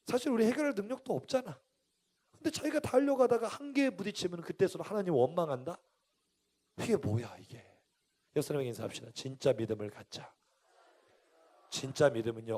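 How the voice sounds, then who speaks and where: A man preaching in a church, his voice high and swooping all over the place. He hammers his points home, urges the congregation to say lines back to him, then drops suddenly into hushed, close remarks. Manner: emphatic, calls the congregation to repeat after him; switches between shouting and quiet, intimate remarks. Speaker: pastor. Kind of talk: sermon. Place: church sanctuary.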